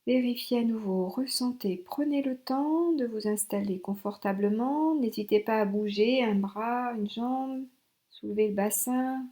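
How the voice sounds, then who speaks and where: Mellow higher-pitched woman guiding relaxation. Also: measured pace. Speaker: yoga nidra instructor. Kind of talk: guided relaxation meditation.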